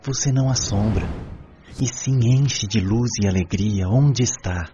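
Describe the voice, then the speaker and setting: An actor playing a calm, fatherly spirit guide in a radio drama, speaking with kindly reassurance. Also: on the low side, a little slow, noisy background, close to an everyday voice. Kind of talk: audiobook radio drama acting. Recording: dull band-limited audio, faint music.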